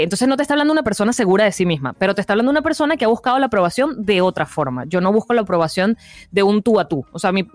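A woman speaking fast and frankly in a casual podcast chat. She tells stories with lively acted-out quotes, and her voice sounds close and dry. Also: medium pitch, dry recording. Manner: frank, animated storyteller who acts out quotes.

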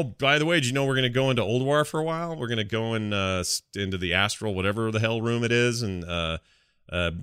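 Bright, clear-voiced man hosting a gaming podcast. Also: medium pitch, no echo, clean studio sound. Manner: animated, jokey, acts out imagined dialogue. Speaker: podcast host. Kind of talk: casual gaming podcast chat.

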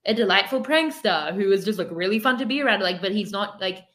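A woman's voice: medium pitch, animated, fast, fairly bright tone. A woman in her thirties co-hosting a podcast, chatting casually and animatedly with lots of fillers. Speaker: podcast co-host. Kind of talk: casual chat.

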